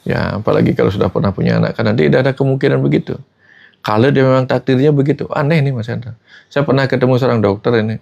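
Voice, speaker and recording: A man's voice: mid-range voice, quick pace, gravelly, darkish tone, highs cut off. A man in a casual spiritual talk, telling stories and often addressing his host by name. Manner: storytelling, repeats the host's name often; quotes people in the story. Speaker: spiritual teacher.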